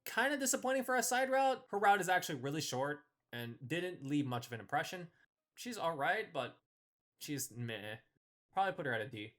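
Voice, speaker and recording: Ranking visual novel characters, a video host delivers casual, opinionated review commentary that is informal, emphatic, and full of slang. The voice is medium-pitched and fairly bright, very animated and brisk.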